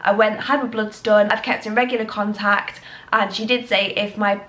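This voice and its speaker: A woman's voice: medium pitch, fairly even intonation, normal speed, fairly bright tone. A young woman with a British accent, talking chattily to camera and sounding nasal from a cold. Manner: chatty, rambling, reassuring. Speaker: health vlogger. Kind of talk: casual talk to camera.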